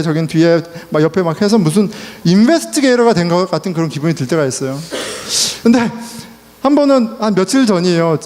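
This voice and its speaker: A man's voice: sits high, a little mellow. A man preaching a sermon as a pastor, telling stories with self-mocking humor and acting out what people said. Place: church sanctuary. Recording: church hall reverb.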